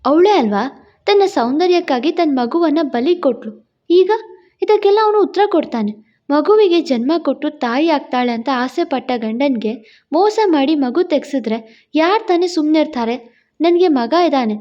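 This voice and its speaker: A weary young single mother in her twenties, earnest and determined, read by a woman narrator, in a storybook drama. The voice sits high and sounds a little dull. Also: expressive, moderate pace. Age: 20s. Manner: earnest and pleading.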